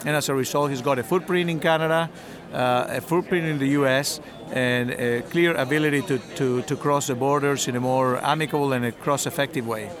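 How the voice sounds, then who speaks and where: A middle-aged man from Argentina answers interview questions in a measured, halting way, full of fillers and restarts. His voice sits in an ordinary middle register. A loud crowd murmurs behind him at what sounds like a busy event. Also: mid-range voice, steady tone. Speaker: industry association representative.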